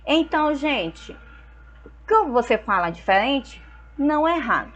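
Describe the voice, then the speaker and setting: A woman's voice: high-pitched, sing-song, fairly bright tone, lo-fi sound. Patient Brazilian woman teacher. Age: young adult. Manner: slow, patient explaining with frequent checks like "ok?". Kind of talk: recorded school lesson.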